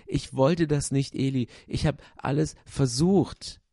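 A man's voice: mid-range voice, slow, vocal fry, dark tone, no room sound, studio quality, voice pushed up. A man voicing a small, timid male wooden puppet who sounds anxious and pleading.

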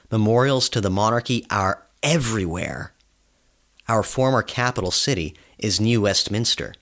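Deep-voiced young man reading commentary. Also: a bit bright. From Canada. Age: 20s. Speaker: reporter. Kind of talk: scripted radio commentary.

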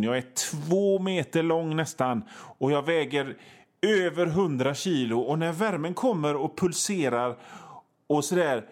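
A man hosting a radio show, telling a rambling absurd comic story in a deadpan way, with mild swearing. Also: on the high side, big-room sound. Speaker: radio host.

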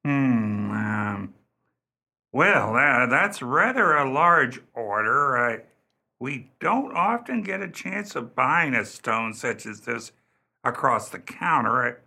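An actor playing a courteous, stammering jeweler in a radio play, hesitant and formal with a raspy voice. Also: male voice, mid-range voice, very animated, slow, bright, forceful tone, full character voice. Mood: hesitant, eager. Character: flustered, eager male jeweler, courteous and self-assured.

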